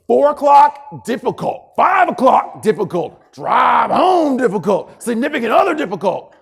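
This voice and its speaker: Man acting out an exasperated, loud, ranting job candidate. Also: very high-pitched, sing-song, moderate pace, vocal fry, husky, pitched above the performer's own voice, heavily acted. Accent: American. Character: exasperated, self-pitying, blunt job candidate.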